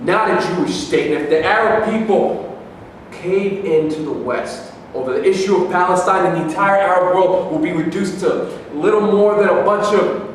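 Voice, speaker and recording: Male actor as accusing Arab man in political argument, highish voice, stage reading in a very reverberant hall. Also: moderate pace, natural voice. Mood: insistent. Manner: argumentative, rhetorical, formal wording. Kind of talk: staged play reading, declaimed debate dialogue. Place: live staged reading in a reverberant room, distant microphone. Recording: echoey hall from far off, faint noise.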